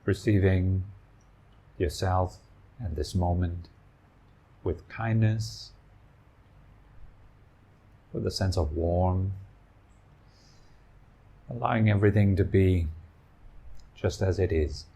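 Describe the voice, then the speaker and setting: Male meditation teacher: very low, gravelly voice, soothing short phrases, gentle guided instruction. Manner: soothing, unhurried pauses between short phrases.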